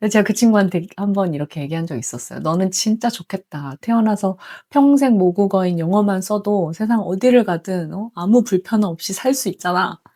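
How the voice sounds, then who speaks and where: A dark, mellow tone at a moderate pace with hardly any pauses and ordinary pitch variation, on a very clean recording with a silent background. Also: woman, medium pitch for a woman. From South Korea. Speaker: vlogger, former scuba diving instructor. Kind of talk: personal essay monologue. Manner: conversational, with filler words.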